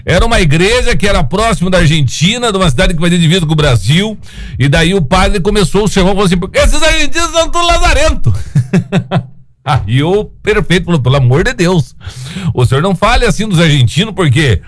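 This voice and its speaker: A man hosting an informal radio-style show from his phone, telling jokes in an animated way, laughing often and acting out the characters. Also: sits high, brisk. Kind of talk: joke telling and casual chat.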